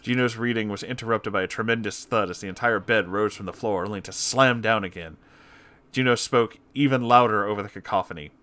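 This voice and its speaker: A man narrating a comic horror story as an online host, in a theatrical, expressive manner. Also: lowish voice, fairly quick.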